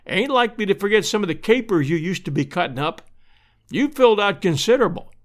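A man's voice: high-pitched, lively intonation, quick pace, pitched above the performer's own voice. A man voicing a friendly rural husband and father in a storybook, with a folksy drawl. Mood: amused. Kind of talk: storybook character voice.

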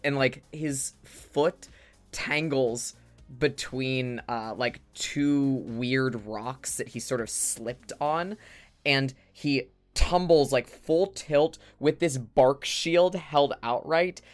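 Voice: medium pitch, slow, faint music behind. A tabletop player narrating a character's actions in a rambling way full of fillers.

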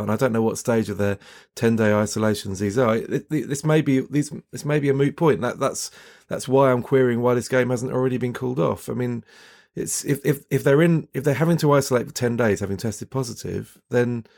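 A man talking casually as a football journalist on a podcast, thinking aloud in halting, repeated starts. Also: mid-range voice, creaky, darkish tone.

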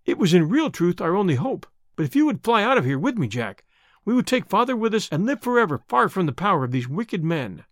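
A man's voice: high-pitched, big pitch swings, brisk, no room sound, clean studio sound. A man voicing a distraught, tender young woman who pleads fearfully and devotedly in an audiobook. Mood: fearful, pleading. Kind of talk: audiobook character acting.

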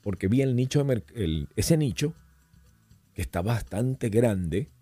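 A man's voice: fairly low pitch, a little slow, breathy edge, no room sound. A middle-aged man, a podcast guest, telling stories in casual conversation and slipping into voices and accents as he goes. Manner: animated storyteller who slips into voices and accents.

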